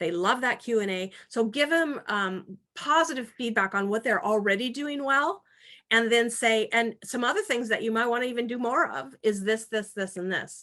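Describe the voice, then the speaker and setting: A woman's bright, sharp tone at a fairly high pitch, with lively intonation and a moderate pace. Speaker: business coach and workplace trainer. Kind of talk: webinar Q&A answers.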